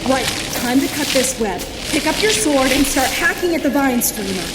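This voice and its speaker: A bossy, sharp-witted sorceress in an audio drama. Her high voice gives orders briskly and with sarcasm, set back in an echoey space with a loud score behind it. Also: expressive, recorded from a distance, loud music behind the voice. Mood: urgent. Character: brisk, sarcastic, commanding young sorceress superheroine. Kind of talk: scripted audio drama acting.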